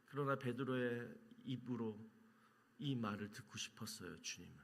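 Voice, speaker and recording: A man preaching a sermon as pastor, quizzing the congregation and answering his own questions, moving between loud emphasis and hushed lines. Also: mid-range voice, normal speed, creaky. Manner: asks the congregation questions and answers them himself.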